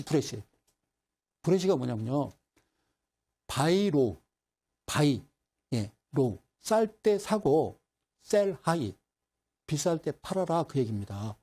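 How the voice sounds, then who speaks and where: A middle-aged man giving a broadcast stock lecture, telling stories in an animated, repetitive way and addressing viewers directly. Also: on the high side, unhurried, pauses often.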